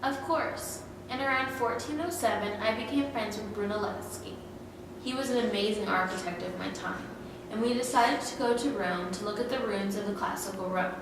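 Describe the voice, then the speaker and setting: A woman's voice: medium pitch, moderate pace, natural voice. A woman playing a friendly, self-assured male Renaissance sculptor, speaking plainly in a school-style historical skit. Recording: echoey hall from far off, noisy.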